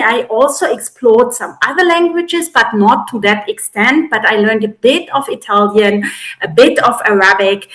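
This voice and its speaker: Middle-aged german lady, german accent, highish voice, explaining stuff in an interview, feels her way through sentences. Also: fairly bright tone, rough recording. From eastern Germany. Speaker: interview guest, editor and educator. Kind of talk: conversational interview answers.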